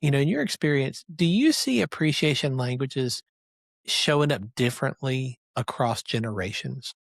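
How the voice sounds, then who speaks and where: Man, gravelly voice, middle-aged host, earnest and affirming, dry sound. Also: mid-range voice, animated, moderate pace, dry recording. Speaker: podcast host. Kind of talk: conversational interview.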